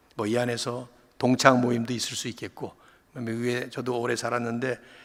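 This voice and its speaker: A man speaks with a bright, sharp tone. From South Korea, Seoul, North Korean parents. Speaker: pastor. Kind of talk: sermon.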